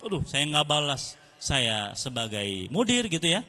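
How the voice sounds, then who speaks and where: A man, giving a lively storytelling lecture to parents as an Islamic teacher, repeating phrases for emphasis. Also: fairly high pitch, unhurried.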